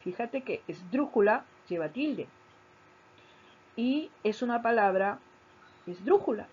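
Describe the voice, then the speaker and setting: A woman teacher giving a recorded grammar lesson, explaining slowly, stressing key syllables and repeating her points. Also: on the high side, expressive, breathy edge. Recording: dull lo-fi recording.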